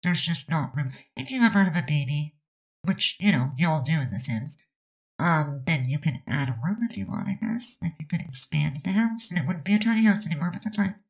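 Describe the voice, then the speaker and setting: Woman, low voice, stuffed-up nose, rambling, casual build commentary. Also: lively intonation, fairly quick. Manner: rambling and chatty, lots of "like" and "I don't know". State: stuffed up, about to sneeze. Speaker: Sims builder narrating a speed build.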